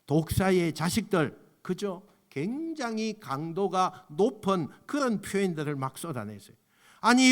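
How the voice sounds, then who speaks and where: High-voiced male pastor preaching in a church, shifting from hushed asides to fervent, loud appeals. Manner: swings from soft low asides to loud impassioned exhortation; leads congregation in unison scripture reading. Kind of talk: sermon. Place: church sanctuary.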